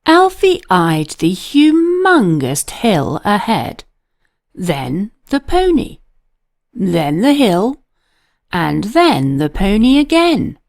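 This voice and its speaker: Slow, animated woman reading a storybook. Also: medium pitch, no room sound, studio quality. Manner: slow, dramatic storytelling with emphatic pauses. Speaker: children's story narrator. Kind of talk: expressive read-aloud storybook narration.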